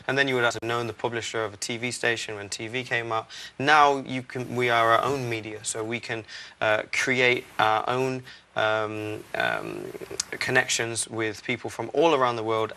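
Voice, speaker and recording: A young man from Barbados, founder of a charity, answering interview questions earnestly with many "uh" pauses. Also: lowish voice, creaky, pushed and bright. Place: TV studio.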